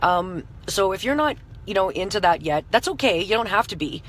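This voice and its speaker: A woman in her late thirties hosts a motivational live stream as an entrepreneur, her medium-pitched voice hoarse and scratchy yet a bit bright. She talks animated and a little fast, loose and chatty, peppering her lines with "you know" and pausing to greet viewers by name. A faint hum lingers in the background.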